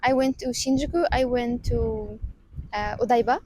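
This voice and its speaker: A woman's voice: a little high, steady tone, normal speed, dark tone, rough recording. A woman, a student, answering eagerly and often saying "you know". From Egypt. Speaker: student, interviewee. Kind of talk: casual street interview.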